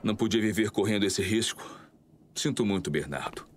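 An actor with a Brazilian accent playing a courteous, smooth-talking detective who is secretly a cold killer, in an audio drama. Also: male voice, lowish voice, expressive, a little fast, natural voice. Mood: coolly menacing. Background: music.

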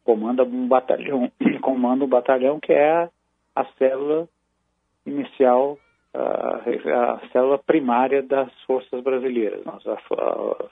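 A Brazilian man commenting on military affairs in a halting, measured way, with many restarts. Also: medium pitch, steady tone, gravelly, no room sound. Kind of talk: phone-in analysis on a news program. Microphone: phone. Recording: tinny phone line.

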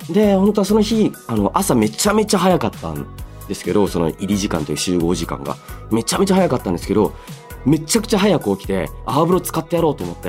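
A man hosting a solo radio show, chatting and reading listener mail in an animated way, slipping between polite announcing and casual asides. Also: mid-range voice. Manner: animated storytelling with sound-effect words and casual asides.

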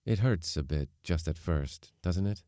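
A man voicing a gentle, kindly middle-aged father in an audiobook story, quiet, understated and reassuring. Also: low-pitched, unhurried, no echo, studio quality. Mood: gently reassuring.

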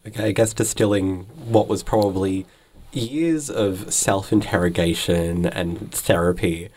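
A man's voice: low voice, unhurried, a little mellow. A man conducting a conversational radio interview, phrasing his questions in an informal, tentative way.

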